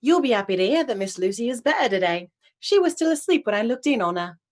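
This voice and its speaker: An actress playing a chirpy, chatty household maid who is pleased with herself, in a radio play. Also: female voice, fairly high pitch, sing-song, fast. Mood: chirpy, proud. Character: chirpy, self-satisfied female household maid. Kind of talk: theatrical radio drama acting.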